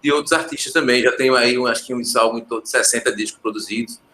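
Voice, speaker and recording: A man's voice: medium pitch, very fast, bright, forceful tone. A man with a northeastern Brazilian accent from Pernambuco, a musician guest chatting casually and searching for his words. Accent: Pernambuco northeastern Brazilian Portuguese. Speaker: composer, musician and producer guest. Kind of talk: casual interview chat. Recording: faint background noise.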